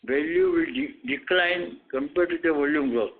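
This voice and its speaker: Over a narrow phone connection, a male company executive speaks with an Indian accent. His voice sits a little high, and he answers analysts in a firm, matter-of-fact way. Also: wildly swooping pitch, moderate pace, gravelly. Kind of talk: answering analysts on an earnings call. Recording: narrow tinny phone line.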